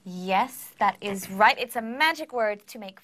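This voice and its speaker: A woman acting as an English co-teacher, saying model sentences with careful, clear pronunciation. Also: medium pitch, animated, very slow, a bit bright. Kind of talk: model phrase demonstration.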